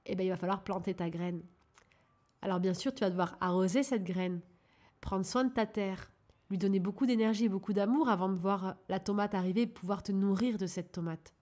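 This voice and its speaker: This is a casual coaching monologue from a woman who runs her own channel as a life coach. Her tone toward her audience is soft and supportive, her pitch medium, and she talks fairly quickly.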